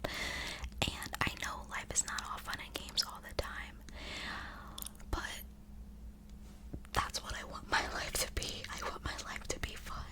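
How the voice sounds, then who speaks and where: Whispering at a fairly slow pace with long, frequent pauses, a woman speaks over noticeable background noise. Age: 20s. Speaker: ASMR content creator. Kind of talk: casual talk to camera. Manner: whispered, rambling.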